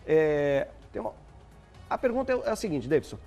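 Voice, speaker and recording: A Brazilian man hosting a live TV talk show, reading out contact details and asking a guest questions in a brisk, chatty way. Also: a little high, big pitch swings, a little mellow, muffled recording, faint music behind. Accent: Brazilian Portuguese. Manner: brisk, promotional, asks questions with many fillers. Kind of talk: live TV interview.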